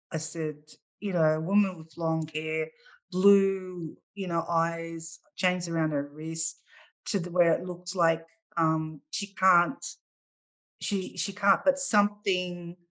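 Australian woman, author guest, low voice, bright tone, lively, video call. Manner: lively, exclaims and laughs readily. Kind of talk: casual interview chat.

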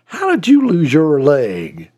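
A man voicing a kindly, sympathetic older man at a bar, gentle and folksy. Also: on the high side, huge pitch swings, slow, lo-fi sound, voice pushed down, exaggerated voice.

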